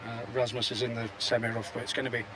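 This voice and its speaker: A man's voice: medium pitch, little pitch movement, fast, sharp tone, low-quality recording. A man giving matter-of-fact, analytical golf commentary from the course. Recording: faint outdoor noise and hum.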